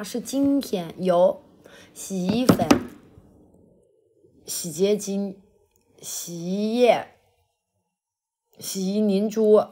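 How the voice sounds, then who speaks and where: A woman hosting a livestream, chatting casually with viewers between songs, her throat feeling blocked and a little hoarse. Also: mid-range voice, warm tone. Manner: sings then chats quickly to viewers, self-deprecating. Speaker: livestream host. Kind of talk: casual livestream chat and singing.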